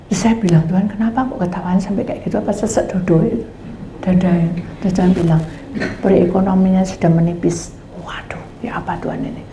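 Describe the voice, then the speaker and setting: A middle-aged woman pastor talks fast in a fairly low voice, telling a lively sermon story in which she performs each side of the conversation. Now and then she drops to a whisper, and the room is echoey with faint background noise.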